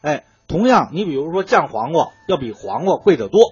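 A man with a Beijing accent talks in a colloquial, storytelling way, often posing a question and answering it himself. His voice is husky and swings widely in pitch. The sound is dry and somewhat muffled. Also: sing-song, a little fast, a little mellow. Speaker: food writer guest explaining dishes. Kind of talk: conversational explanation of traditional cooking.

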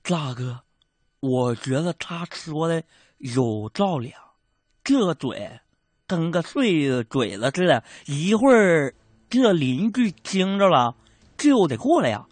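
Man doing a slow-witted robber, drawling, agreeable. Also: a little high, big pitch swings, slightly rough, dry recording, exaggerated voice. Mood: persuading.

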